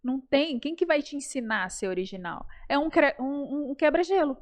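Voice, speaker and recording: A Brazilian woman speaking as a guest in a casual podcast interview, animated and playful, often addressing the audience directly. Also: high voice, normal speed. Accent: Brazilian Portuguese.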